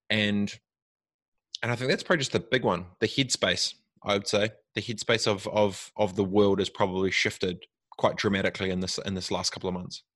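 Male interview guest, New Zealand accent, lowish pitch, casual thinking-aloud delivery with restarts, dry acoustic. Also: fairly bright tone, no room sound. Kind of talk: casual reflective conversation.

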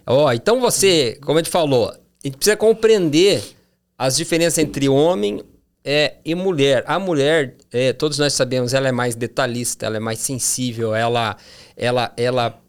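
A man talking casually about communication in a Christian talk show, animated and acting out quoted voices. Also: moderate pace. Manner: animated, acts out quoted voices with big pitch jumps.

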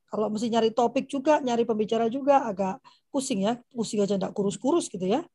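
A woman hosting an online parenting session, talking casually and warmly to a group, dropping English phrases and "gitu ya" fillers often. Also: on the high side, fast, no echo, studio quality. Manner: chatty, frequent "gitu ya" fillers, laughs often; mixes English phrases into speech. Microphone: video call.

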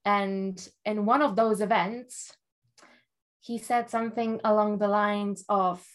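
Slow-speaking woman, not a native English speaker. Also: mid-range voice, steady tone. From Germany. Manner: measured, thoughtful, laughs often. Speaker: guest, love and relationships coach. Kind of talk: interview storytelling.

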